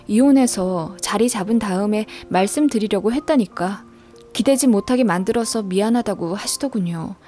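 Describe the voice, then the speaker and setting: A woman narrating a true family story in a steady, earnest storytelling manner. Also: fairly high pitch.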